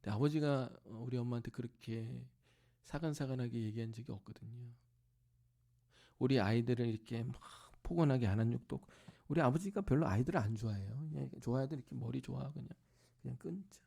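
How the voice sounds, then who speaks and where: Gravelly-voiced pastor telling a family story. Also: male voice, medium pitch, fast talker. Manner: acts out family members' voices in lively bursts, drops to near-whisper at tender moments. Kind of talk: sermon storytelling. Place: church sanctuary.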